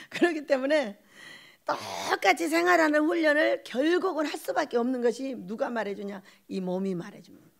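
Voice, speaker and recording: A woman pastor preaching a sermon in an animated way, acting out quoted voices and laughing often. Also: sits high, vocal fry.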